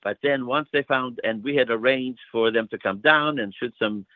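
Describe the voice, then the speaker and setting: A man's voice: mid-range voice, moderate pace, no room sound. An older man with a Greek accent, a wrestling promoter, telling stories in a casual interview with lots of fillers. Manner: warm storytelling with frequent fillers. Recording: tinny phone line.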